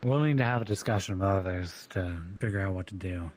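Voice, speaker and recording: A man with a fairly low voice speaks in character in an improvised roleplay. He explains things plainly and a little formally, with a matter-of-fact delivery. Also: a little fast, darkish tone, slight background noise. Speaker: roleplay participant.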